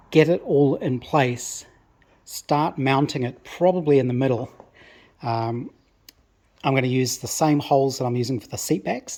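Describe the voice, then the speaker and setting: A man with a mid-pitched, slightly hoarse voice talks through a job in his home workshop. He sounds a little breathless at times and explains things in a relaxed, unhurried way, full of ums and restarts. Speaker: car restoration vlogger. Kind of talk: casual workshop walkthrough.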